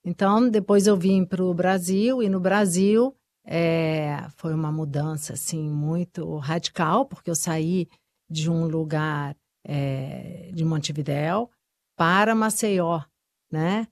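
A woman from Uruguay, a guest author in an interview, speaking slowly and reflectively with many fillers. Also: lowish voice, no room sound, studio quality.

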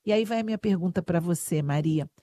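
A middle-aged woman interviewer asking her guest attentive, warm questions. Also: on the low side, quick pace, dry recording.

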